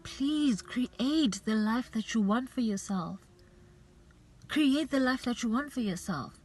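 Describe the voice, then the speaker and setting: A woman's voice: on the high side, expressive, slow pace, a little mellow, breathy edge. A woman giving an earnest, faith-based motivational talk as a vlogger, urging and repeating herself, with plenty of "you know".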